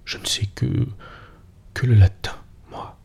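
A man voicing a drunk, bashful older male tutor in a breathy near-whisper, as whispered role-play. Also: slow pace, darkish tone, close to an everyday voice. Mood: flustered.

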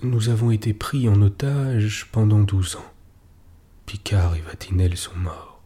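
A man reading as a worn-out old sailor, low husky voice, slow and flat, plain spoken, dark tone, like he's telling it straight with no fuss. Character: weathered older sailor returning home, blunt.

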